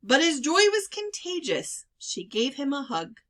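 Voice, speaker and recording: Animated woman reading a novel aloud. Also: sits high, a little slow. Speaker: storybook reader. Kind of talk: expressive children's novel read-aloud.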